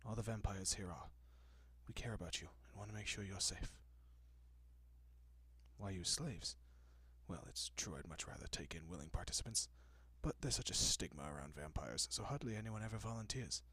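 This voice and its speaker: A man playing a gentle, courteous, possessive vampire in an intimate audio roleplay, speaking softly and often dropping to a whisper with hushed reassurance. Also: sits low, animated, normal speed, slightly rough, dry recording, full character voice. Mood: calm, explaining. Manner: hushed, reassuring, politely old-fashioned.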